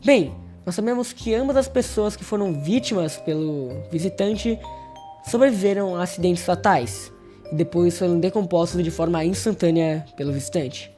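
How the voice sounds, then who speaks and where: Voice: medium pitch, dark tone. A Brazilian host giving casual video essay commentary in an informal, conversational way, speaking directly to viewers. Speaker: host of a horror review channel.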